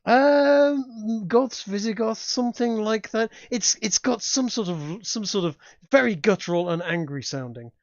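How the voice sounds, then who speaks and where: A man's voice: high-pitched, animated, no echo, muffled recording. A man narrating a tabletop game as game master, describing scenes with frequent fillers and restarts. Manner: halting, many restarts and fillers.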